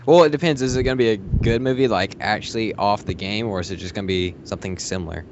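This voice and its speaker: A man's voice: fairly low pitch, fast talker. A man chatting casually as a podcast panelist. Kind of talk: casual chat. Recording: dull lo-fi voice chat, noisy.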